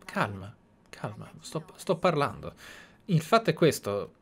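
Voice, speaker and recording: A man's voice: mid-range voice, very animated, a little slow, gravelly. A man with an Italian accent commentating on a video game, with theatrical delivery and reflective asides. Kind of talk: game commentary with read-aloud in-game letters.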